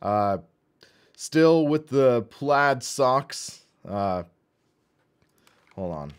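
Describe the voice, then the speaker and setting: A man with a hoarse voice casually narrating a sim racing live stream, thinking aloud as he goes. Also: mid-range voice, lively intonation, very slow. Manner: chatty, thinks aloud while clicking menus.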